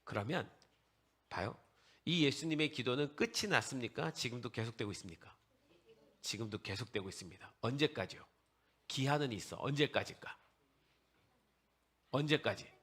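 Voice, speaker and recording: Animated pastor preaching with questions. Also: male voice, medium pitch, moderate pace, pauses often, breathy edge. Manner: animated, asks the congregation questions and answers them; conversational, mixes casual and polite speech. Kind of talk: sermon.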